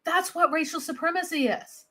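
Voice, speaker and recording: A woman's voice: very high voice, fairly bright tone. A woman co-hosting a commentary chat, speaking in an emphatic, argumentative way. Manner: emphatic, quick to argue. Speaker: co-host.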